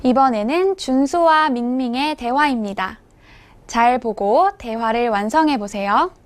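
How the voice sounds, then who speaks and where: Woman, language teacher, high pitch, slow measured delivery, clear enunciation, scripted instructional narration.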